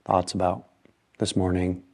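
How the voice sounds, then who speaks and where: Low, creaky-voiced man guiding meditation. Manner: slow, calm, with long pauses between short phrases. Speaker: meditation guide. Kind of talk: guided meditation.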